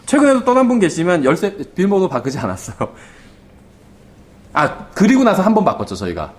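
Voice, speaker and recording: Male pastor, sermon delivery, high and lively voice, talks with the congregation. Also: a little fast. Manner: conversational, asks the congregation questions; acts out quoted lines of the father and son.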